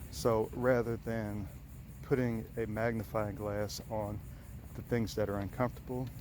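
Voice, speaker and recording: In a normal speaking voice, a man talks at a fairly slow pace, his fairly low pitch moving with ordinary variation. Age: 50s. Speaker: registered nurse and health coach. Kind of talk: casual vlog monologue. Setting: outdoors walking in gardens.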